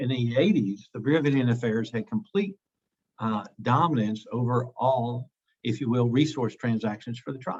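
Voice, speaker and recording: With a Texas accent, a man speaks at a fairly quick pace, medium pitch and ordinary pitch variation. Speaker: company founder and executive. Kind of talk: webinar presentation. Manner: halting, many fillers.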